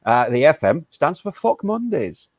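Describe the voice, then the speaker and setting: A man's voice: fairly high pitch, very animated, no room sound. A man playing a hesitant, awkward radio DJ who keeps stammering and restarting while talking to callers. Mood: flustered. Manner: flustered, hesitant, halting. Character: awkward radio DJ host of a small station. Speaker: improv performer.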